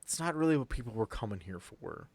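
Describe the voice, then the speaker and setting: Low-voiced man running a tabletop game. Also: big pitch swings, a little fast, gravelly, a little mellow, dry recording. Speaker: game master. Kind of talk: improvised tabletop game narration.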